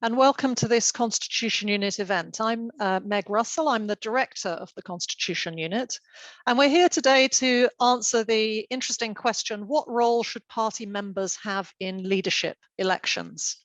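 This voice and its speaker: A woman's voice: on the high side, moderate pace, no echo. A woman chairing an online panel event, giving formal, orderly introductions over a video call.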